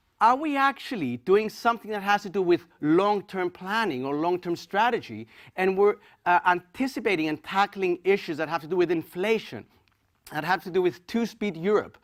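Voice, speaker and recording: A man's high, animated voice with lively intonation in a very clean recording with a silent background. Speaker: fintech entrepreneur. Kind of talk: conference panel remarks. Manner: fast.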